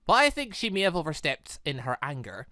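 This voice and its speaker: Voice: medium pitch, very animated, a little fast, bright, forceful tone, no room sound, clean studio sound. A let's play host giving emotionally reactive, rambling commentary on a story game. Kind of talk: playthrough commentary mixed with read-aloud dialogue.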